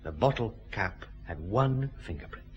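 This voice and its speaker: An actor playing a firm, methodical police chief inspector, questioning a suspect in a vintage radio drama. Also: male voice, fairly low pitch, lively intonation, a little mellow, highs cut off, slight background noise, close to an everyday voice. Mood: stern. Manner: brisk, methodical, dry authority.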